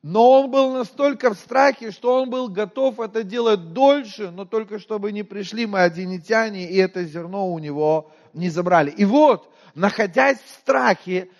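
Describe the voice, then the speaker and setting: High-voiced preacher from Moldova in a reverberant hall. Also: male voice, moderate pace, hardly any pauses, muffled recording. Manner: conversational, asks the congregation questions, often drops to a quiet voice. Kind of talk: sermon.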